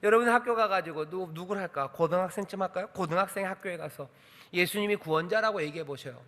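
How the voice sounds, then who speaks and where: Male pastor, high bright voice, emphatic sermon delivery, echoing church hall. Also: quick pace. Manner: emphatic preaching with rhetorical questions. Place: church sanctuary.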